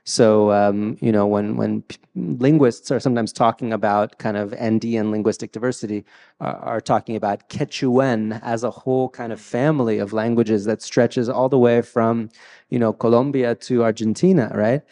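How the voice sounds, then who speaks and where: A man's voice: mid-range voice, fairly even intonation, moderate pace, warm tone, big-room sound. A man moderating a panel talk on stage, speaking thoughtfully into a handheld mic with many fillers and restarts. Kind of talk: hesitant conversational talk. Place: large hall with a stage.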